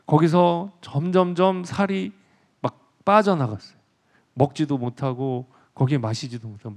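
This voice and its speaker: Male professor telling myths to a crowd, lively, keeps asking questions, plays the parts. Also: mid-range voice. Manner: animated, acts out characters, questions the audience. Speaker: professor giving a public lecture. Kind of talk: storytelling lecture on myths.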